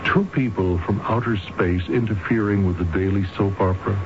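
An actor playing a skeptical psychiatrist in a radio drama, patiently pressing with measured, questioning, sometimes hesitant reasoning. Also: male voice, on the low side, music in the background, natural voice. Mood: reasoning, insistent. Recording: muffled, noisy vintage radio broadcast.

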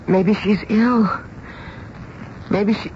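A woman acting in a radio drama as an anxious, tender middle-aged mother who also narrates the haunting story in a dramatic, deliberate way. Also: medium pitch, fairly even intonation, background noise. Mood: anxious, soothing. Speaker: actress narrating and playing the mother. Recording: muffled 1970s radio broadcast with music.

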